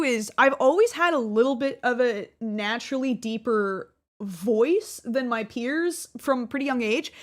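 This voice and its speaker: A woman in her twenties with a high, bright-sitting voice talks casually over her old gameplay footage. She is chatty and keeps restarting her sentences, with quick laughs scattered throughout. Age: 20s. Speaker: YouTuber.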